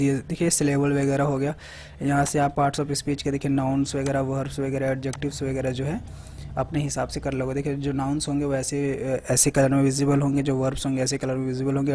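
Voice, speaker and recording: A man hosting a tech tutorial, talking casually through a software demo and often checking in with the viewer. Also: mid-range voice. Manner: conversational, repeats "theek hai" often. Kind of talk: screen-recorded software walkthrough.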